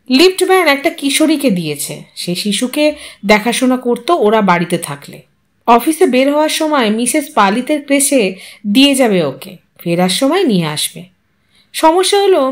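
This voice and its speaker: Woman narrating an audio story. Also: high voice. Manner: measured, expressive reading.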